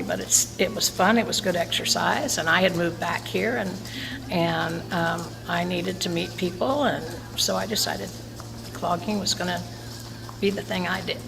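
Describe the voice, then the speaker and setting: A woman's voice: lowish voice, vocal fry, big-room sound, rough recording. A woman casually telling a personal story in a chatty way, with many restarts. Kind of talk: casual recollection.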